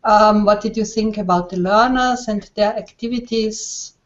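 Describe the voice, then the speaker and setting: A woman hosting an interview in an online hangout, speaking haltingly over a muffled web call. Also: mid-range voice. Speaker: host, interviewer. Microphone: online video call.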